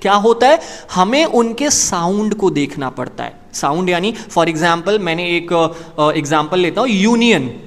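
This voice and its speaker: A man's voice: sits high, expressive, measured pace. A man teaching a beginners' lesson in a chatty classroom manner, often asking the listener rhetorical questions. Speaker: English teacher. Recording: long reverb, echoey room.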